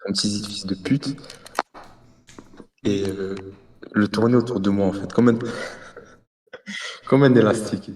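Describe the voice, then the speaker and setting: A man's voice: fairly low pitch, a little slow, long pauses, a little mellow. A young man from Canada calling into a live stream, hesitant and full of filler sounds. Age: young adult. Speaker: caller. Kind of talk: casual call-in chat.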